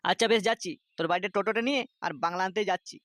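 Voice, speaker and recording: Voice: mid-range voice, rapid-fire, fairly bright tone, no room sound, close to an everyday voice. Actor as an irritable male cartoon boss, West Bengal accent, breakneck coarse scolding, dry close sound. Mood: mocking. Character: irritable, scolding male neighbourhood club boss, angry father. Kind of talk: comic cartoon voice acting.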